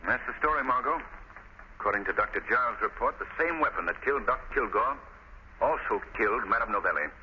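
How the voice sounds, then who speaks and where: An actor playing a shrewd gentleman detective in 1930s radio style, urbane, deliberate and commanding. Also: medium pitch, lively intonation, natural voice. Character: shrewd gentleman detective who poses as unseen avenger. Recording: noisy, dull 1930s radio recording.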